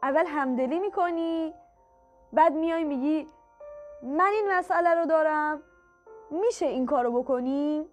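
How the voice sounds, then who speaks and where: A woman teaching how to ask for things calmly, patiently repeating each step with examples. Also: high-pitched, pauses often, highs cut off, faint music behind. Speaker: communication skills teacher. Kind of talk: instructional talk to camera.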